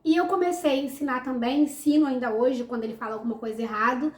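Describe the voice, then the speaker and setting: A woman's voice: high voice, fairly even intonation, quick pace, reverberant. A Brazilian woman with a Brazilian Portuguese accent, answering follower questions in a casual, upbeat vlog with many fillers. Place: home, room with a window.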